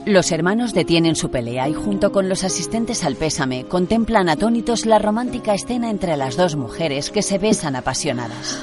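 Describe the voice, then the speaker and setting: Castilian woman narrating over loud music. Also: lowish voice, animated, moderate pace, few pauses. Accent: Castilian Spanish. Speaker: audio describer. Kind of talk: scripted audio description narration.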